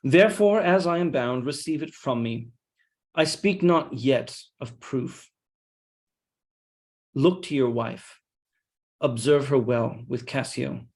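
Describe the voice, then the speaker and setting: A man reading a scheming, deferential soldier in Shakespeare, with measured, insinuating, mock-humble delivery. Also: medium pitch. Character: scheming deferential soldier feeding his lord's suspicion. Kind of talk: Shakespeare read-along.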